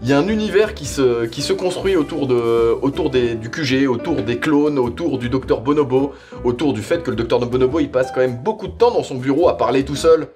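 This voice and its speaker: A man's voice: medium pitch, expressive, fairly quick, darkish tone, soft background music. A man giving a slangy, casual spoken review, rambling conversationally and repeating himself for emphasis. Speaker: reviewer presenting audio series.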